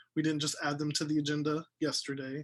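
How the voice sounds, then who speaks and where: In an American accent, a normal speaking voice moves along at a moderate pace. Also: man. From New Orleans, US. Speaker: school board member. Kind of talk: prepared speech at a public meeting. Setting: video call.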